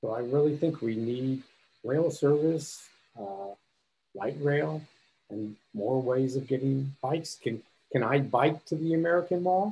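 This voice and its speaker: A man speaks at a fairly slow pace in a somewhat breathy voice, with long, frequent pauses and ordinary pitch variation. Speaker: audience member asking questions; audience member. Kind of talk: Q&A question. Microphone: video call.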